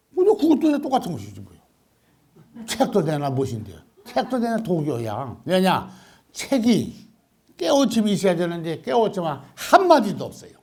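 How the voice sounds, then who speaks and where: Animated older monk preaching. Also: male voice, a little high, gravelly, slightly rough. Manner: animated, questioning the audience, laughing. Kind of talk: Buddhist dharma talk to a congregation.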